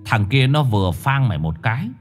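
A man voicing a calm, worldly old male dog with a low husky voice. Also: natural voice. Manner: low, husky, unhurried, matter-of-fact. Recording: faint music behind.

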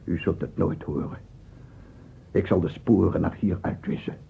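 A man's voice: low-pitched, fairly even intonation, moderate pace, creaky, a little hiss or hum. An actor playing a tormented, obsessive madman in a theatrical Dutch radio play monologue, intense and swinging from whispers to cries. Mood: haunted, brooding. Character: tormented, obsessive madman addressing imagined gentlemen. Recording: tinny, band-limited old radio recording.

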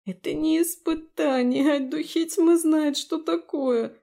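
A woman voicing a frightened, tearful young girl in a fantasy audiobook, high and plaintive. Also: moderate pace, dark tone, close to an everyday voice. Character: girl Abi, young fairy-tale student, frightened and tearful.

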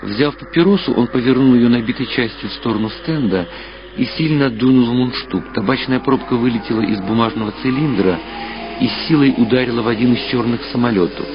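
A man reading literary fiction aloud as a narrator, with measured, expressive dramatic storytelling. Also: mid-range voice, background noise. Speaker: audiobook narrator. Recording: muffled radio-style sound, music behind. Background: clear background music.

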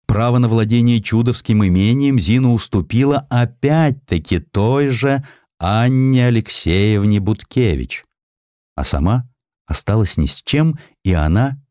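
A man narrating a historical story for an audiobook in a theatrical, expressive storytelling manner. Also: lowish voice, no room sound, studio quality. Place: dry studio.

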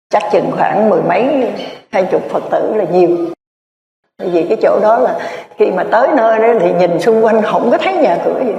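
A Buddhist nun, telling a story in a rambling sermon full of filler words. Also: female voice, mid-range voice, gravelly, warm tone, dull audio. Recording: echoey hall, distant mic.

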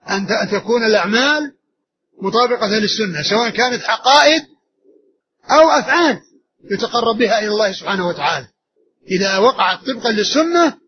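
A man giving a religious lesson, explaining with earnest repetition of key phrases, in a dull lo-fi recording. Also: high voice. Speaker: religious teacher. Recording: dull lo-fi recording with faint noise.

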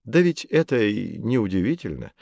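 A man's voice: on the low side, gravelly, no room sound, clean studio sound, heavily acted. A middle-aged man playing an expert who patiently explains history to children in a scripted educational audiobook. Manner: calm, patient, measured explaining. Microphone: studio microphone.

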